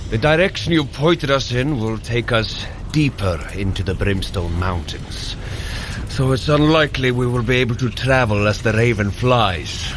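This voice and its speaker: A man's voice: medium pitch, moderate pace, a bit bright, slight background noise, close to an everyday voice. A man playing Thor-like Norse god, hearty and commanding, speaking in grand old-fashioned phrases in an audio adventure. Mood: warning. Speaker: workout guide in character.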